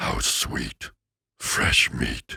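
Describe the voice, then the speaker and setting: A man performs a raspy, put-on character voice. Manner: sinister, menacing.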